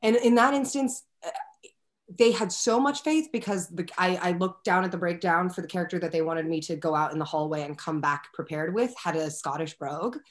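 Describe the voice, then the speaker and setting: Young woman, lowish voice, expressive guest. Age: young adult. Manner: animated, expressive, talks fast with many fillers. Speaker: actor, interview guest. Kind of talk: candid conversational interview. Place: home room with a window, indoors. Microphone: laptop webcam on a video call.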